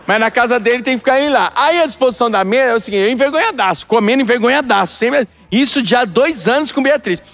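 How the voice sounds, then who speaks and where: A male stand-up comedian telling a story in an animated, flustered way. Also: very high-pitched, quick pace, hardly any pauses. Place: comedy stage.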